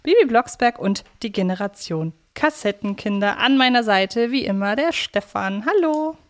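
A woman's voice: a little high, lively intonation, normal speed. Woman chatting as a podcast co-host. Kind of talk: casual podcast discussion.

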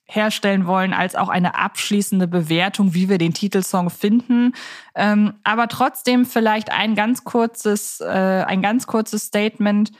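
A woman speaks as a podcast co-host in a conversational style. She builds long, somewhat formal sentences and hesitates as she works through them. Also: mid-range voice. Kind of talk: casual conversational podcast talk.

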